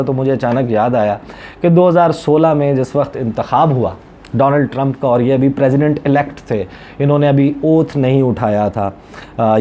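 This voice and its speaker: A Pakistani man with a soft, mellow voice at a middle pitch presents news commentary. He explains things conversationally, dropping English words into his speech. There is some steady ambient noise behind him. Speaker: journalist covering foreign policy, presenter. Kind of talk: news commentary addressed to viewers.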